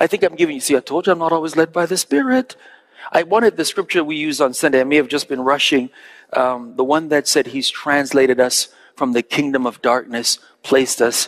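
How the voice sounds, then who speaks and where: Dry and close with no echo, this clip has a man with a plain, everyday voice. He talks fairly quickly at a fairly high pitch with ordinary pitch variation. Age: 50s. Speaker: pastor. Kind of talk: sermon.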